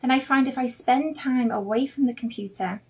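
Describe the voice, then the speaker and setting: A woman's voice: high voice, normal speed, a little mellow. A woman with a Liverpool accent teaching art in an informal live stream, chatting in a rambling way straight to her viewers. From Liverpool, England. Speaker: artist and online drawing teacher.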